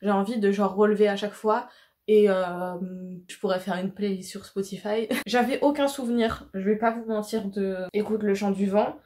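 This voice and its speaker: A woman's voice: medium pitch, fairly even intonation, normal speed, darkish tone. Chatty woman vlogging about books. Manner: chatty, full of fillers and slang, laughs often. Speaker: book vlogger. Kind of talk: casual chat to camera.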